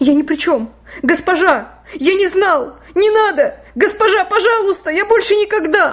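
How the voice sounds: The put-on character voice is pitched extremely high. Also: moderate pace.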